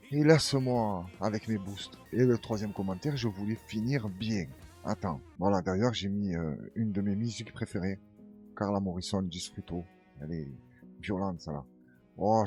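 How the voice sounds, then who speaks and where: A man hosting a casual news commentary stream, reading viewer comments in a slangy, streetwise way. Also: lowish voice. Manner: animated storyteller, voicing others in his tales.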